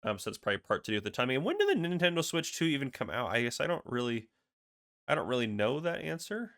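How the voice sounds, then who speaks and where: A raspy man with a head cold, talking quickly in a casual, rambling way as he walks through game screenshots. His voice has a gravelly fry and a bright, forceful edge, and he thinks out loud with plenty of "um"s. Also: mid-range voice, huge pitch swings. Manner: rambling, filler-heavy, thinking aloud. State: fighting a cold. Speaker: gaming video host. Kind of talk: casual commentary over screenshots.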